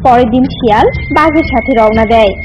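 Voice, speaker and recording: A woman's voice: on the high side, brisk, dull audio, music in the background. A woman narrator reading a scripted children's animal story.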